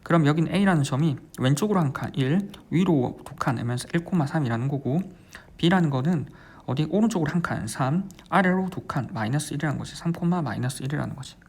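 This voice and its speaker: A man's voice: a little high, expressive, darkish tone, breathy edge. Man tutoring math, always checking in. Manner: keeps asking quick check questions like "right?" and "how much?"; repeats phrases while writing. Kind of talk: exam solution walkthrough lecture.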